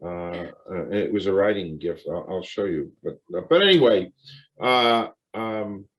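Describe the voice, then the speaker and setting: A man hosting an interview, speaking haltingly with many fillers and restarts. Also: low-pitched, lively intonation, poor audio. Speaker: talk show host. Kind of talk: interview conversation.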